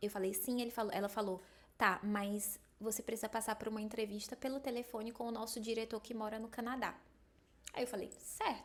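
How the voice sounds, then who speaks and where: A woman's fairly high voice, fairly quick and flat in a monotone. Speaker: French teacher. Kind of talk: personal storytelling vlog. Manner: casual, conversational.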